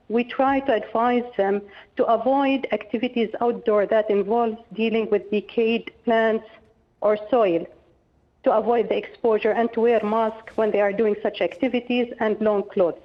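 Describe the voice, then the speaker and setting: A woman gives measured, reassuring medical explanations as an expert guest in a telephone interview. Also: on the high side, fairly even intonation. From Oman. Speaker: infectious disease consultant, interviewed guest. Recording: dull, band-limited telephone line.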